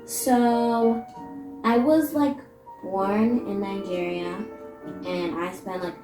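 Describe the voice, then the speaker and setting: A woman's voice: mid-range voice, steady tone, takes it slowly, roomy sound, over music, low-quality recording. A young woman with a Canadian accent, chatting casually in a vlog, with lots of "like" and "you know.". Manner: casual, filler-heavy with lots of "like". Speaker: vlogger. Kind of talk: casual chat.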